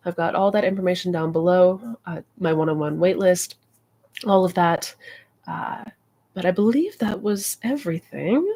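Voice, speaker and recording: Woman host, lowish voice, a bit stuffy and nasal, chatty livestream delivery with fillers. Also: moderate pace, dark tone. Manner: friendly, chatty, many fillers. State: stuffy, slightly nasal from a cold. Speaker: manifestation coach hosting a live Q&A. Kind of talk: casual livestream chat.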